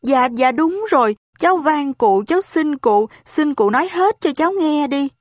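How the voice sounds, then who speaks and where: A woman's voice: sits high, lively intonation, normal speed, no echo, studio quality, voice pushed up. A woman voicing a pleading young boy. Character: anxious young boy searching for his family. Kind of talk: audiobook character voice.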